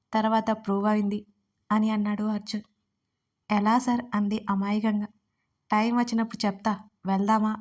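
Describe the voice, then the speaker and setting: A woman's voice: medium pitch, a little mellow. A woman narrating a romantic story and reading both lovers' lines herself. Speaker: writer and narrator.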